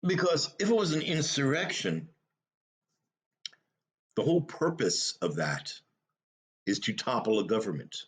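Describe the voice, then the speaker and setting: A man hosting a talk show, giving opinionated commentary in an emphatic way with rhetorical questions and short, punchy repeats. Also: on the low side.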